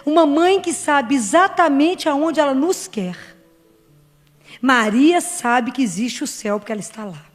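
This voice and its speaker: Fervent high-voiced Brazilian woman preaching. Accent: Brazilian Portuguese. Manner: fervent, preaching to the crowd with retold dialogue. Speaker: Catholic speaker and doctor. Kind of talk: devotional sermon on Mary. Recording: reverberant hall with faint music.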